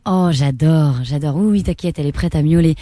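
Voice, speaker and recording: A woman's voice: deep voice, a little fast, dark tone, no echo, clean studio sound. A woman making a flirtatious prank call, teasing and coaxing the man on the line. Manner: teasing, coaxing, breathy purring. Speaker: prank caller on a radio show.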